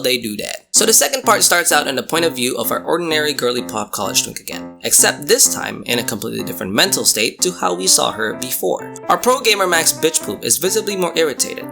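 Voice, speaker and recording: Young manga reviewer, comedic scripted narration, crude slang, mock-dramatic, swooping pitch, vocal fry, music bed.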